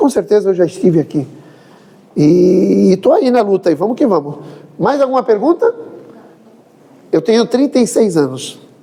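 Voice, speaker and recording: Amid noticeable background noise, a man with a high voice speaks at a moderate pace, keeping very even loudness while his pitch swings very widely and long, frequent pauses break up his speech. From Brazil, arrived from Chile at about ten. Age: 50s. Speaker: spiritist lecturer. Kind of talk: religious talk. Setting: in person, hall with audience. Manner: animated, informal.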